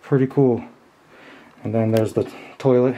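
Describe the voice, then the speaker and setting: A man in his thirties narrating a casual exploration vlog as he walks, informal and halting, thinking aloud. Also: mid-range voice, fairly even intonation, dark tone, poor audio. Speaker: host exploring abandoned places. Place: outdoors and inside derelict buildings, walking. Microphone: handheld camera at arm's length. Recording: outdoor camera audio with background noise.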